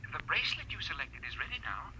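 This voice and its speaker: A man's voice: fairly high pitch, sing-song, quick pace. An actor playing a fussy, deferential male jeweler heard through a telephone filter in a 1940s radio drama. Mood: obliging. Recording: noisy old radio, phone-filtered voice.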